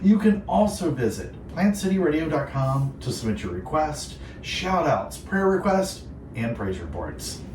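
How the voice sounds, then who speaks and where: His voice runs on the high side, unhurried and a little mellow, with big pitch swings, as he co-hosts a devotional Christian radio talk in an earnest, reflective, polished manner. The sound is echoey, distant and clearly noisy.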